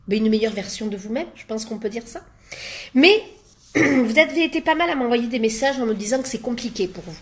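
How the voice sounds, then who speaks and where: A woman life coach giving a casual motivational talk to camera, chatty and full of fillers. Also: a little high. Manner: chatty, many fillers, acts out little quoted exchanges.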